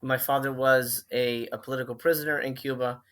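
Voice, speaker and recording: A man's voice: mid-range voice, little pitch movement, brisk, fairly bright tone. A middle-aged man from Miami, a film director talking casually as an interview guest, chatty and full of fillers and restarts. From Miami, Florida.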